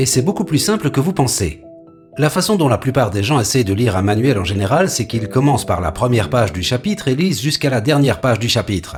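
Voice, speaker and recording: Over music in the background, a man speaks very fast at a medium pitch with very wide pitch swings. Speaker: voice-over artist. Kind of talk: dubbed classroom lecture.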